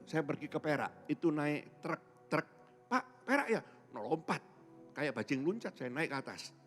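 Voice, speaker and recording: A man from Indonesia, a pastor giving a sermon testimony, telling his story with lively swings between loud and soft and acting out other people's voices. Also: mid-range voice.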